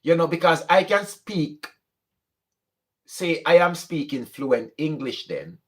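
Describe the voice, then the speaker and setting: In a relaxed vlog monologue, a young channel host with a strong Jamaican accent takes his time. His voice sits a little higher than most men's, and he drifts between standard English and patois.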